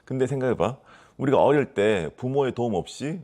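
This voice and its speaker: A man's voice: mid-range voice, expressive, a little fast, a little mellow. A man with a regional Korean dialect explaining life lessons conversationally as an author, emphatic and full of rhetorical questions. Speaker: author giving life advice.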